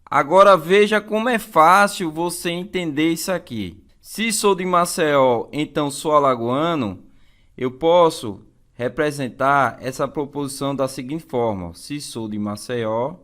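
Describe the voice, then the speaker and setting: A man's voice: a little high, unhurried, fairly bright tone. A man with a Brazilian accent teaching an exam-prep lesson in a didactic way, repeating key phrases and checking in with listeners.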